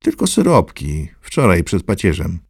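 A man putting on a rough middle-aged street fixer who jeers, swears and mocks his old pal in a deep, husky voice. He talks loud and brash. The sound is close and dry. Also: huge pitch swings, measured pace, no echo, exaggerated voice. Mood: cheeky. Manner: coarse, jeering, swearing.

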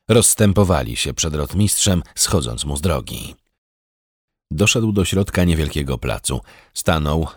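A man narrating a historical novel as an audiobook, in a measured, steady, dramatic storytelling manner. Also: a bass voice, slightly rough, no echo, clean studio sound.

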